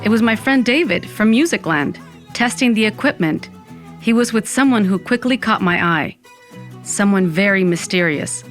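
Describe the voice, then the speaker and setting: A woman's voice: on the low side, close to an everyday voice. A woman playing a wry Latina narrator who tells her own story in an audio fiction podcast. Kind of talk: scripted first-person narration.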